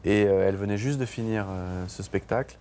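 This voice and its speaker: Man, low, gravelly, hesitant, full of fillers, interview guest, faint noise. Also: brisk, dark tone. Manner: hesitant, many fillers and restarts. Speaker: band songwriter, interview guest. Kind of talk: casual interview talk. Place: TV studio.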